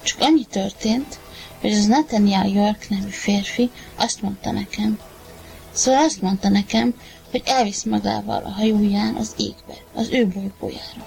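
A woman reading a wife's lines in a story, soft and often hushed. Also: medium pitch, gravelly, soft background music, poor audio. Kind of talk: dramatized audiobook reading.

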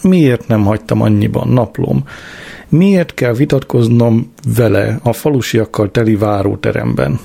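A man's voice: medium pitch, gravelly, dark tone. A man reading a diary-style story aloud as an audiobook narrator, with a dry, wry delivery.

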